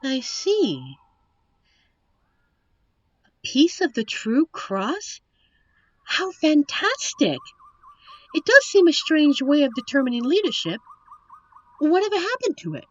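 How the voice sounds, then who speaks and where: A woman playing a captive young princess in a roleplay audio drama, witty and wistful, with genteel, formal storybook phrasing and thoughtful pauses. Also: high-pitched, wildly swooping pitch, a bit bright, muffled recording, full character voice. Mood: polite, curious. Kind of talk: roleplay audio drama, one side of a dialogue.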